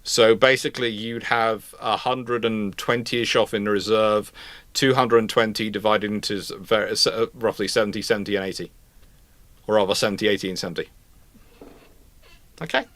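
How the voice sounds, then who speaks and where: A man's voice: on the low side, steady tone, normal speed, a bit bright, no echo. A man hosting a casual live question-and-answer talk on history, rambling and often restarting his phrases. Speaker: livestream host.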